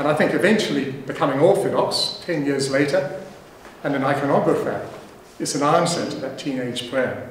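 With a New Zealand accent, a man speaks at a moderate pace in a fairly high pitch with ordinary pitch variation. Light background noise and audible room echo are present. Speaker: iconographer and conference speaker. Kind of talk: lecture. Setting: stage with audience. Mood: calm, reflective, devout. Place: hall. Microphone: camera far.

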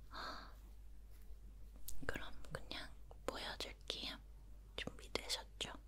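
Soft-spoken and whispering, a woman talks at a very slow pace with light background noise. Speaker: ASMR creator. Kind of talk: casual vlog chat. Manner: soft close-mic ASMR whisper. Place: home room. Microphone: studio mic.

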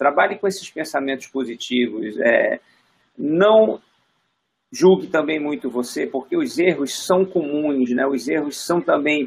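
A man talks in a normal speaking voice, pitched fairly high. His intonation is lively and his pace fairly slow. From Recife, Pernambuco, Brazil. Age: 40s. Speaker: professional big-wave surfer. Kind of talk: casual interview. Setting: video call.

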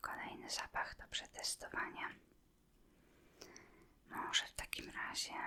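A woman is whispering. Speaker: ASMR creator roleplaying a perfume shop assistant. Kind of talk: ASMR roleplay, perfume shop consultation. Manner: soft-spoken, whispered.

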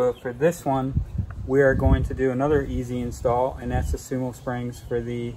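A man speaks at a moderate pace while noticeable background noise carries on behind him. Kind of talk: tutorial. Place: street. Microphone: phone near.

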